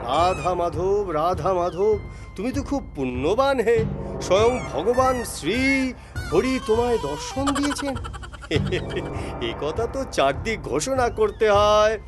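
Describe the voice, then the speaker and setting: An actor playing a witty, sly village jester in a cartoon, theatrical and full of teasing mock-innocence. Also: male voice, high-pitched, animated, unhurried. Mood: mock amazement, teasing. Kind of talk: cartoon character acting. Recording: music bed behind the voice.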